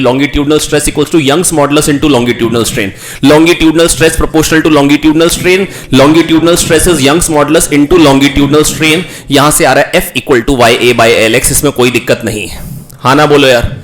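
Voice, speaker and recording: A man teaching physics in an online exam-prep lecture, coaxing students and repeating formulas slowly like a chant. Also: fairly high pitch.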